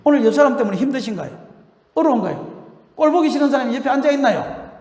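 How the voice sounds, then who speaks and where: An older male pastor preaching a sermon, telling stories with laughter and shouting the scripture lines. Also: extremely high pitch, expressive, quick pace. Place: church sanctuary. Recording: roomy hall reverb.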